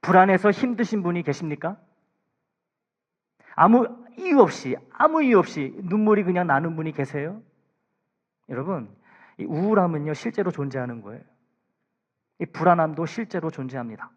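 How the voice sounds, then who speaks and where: Pastor preaching, swinging soft to loud. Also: male voice, a little high, animated, fairly quick, highs cut off. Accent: Korean. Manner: pleading, swings between soft hushed asides and raised emphatic lines. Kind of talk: sermon. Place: church sanctuary.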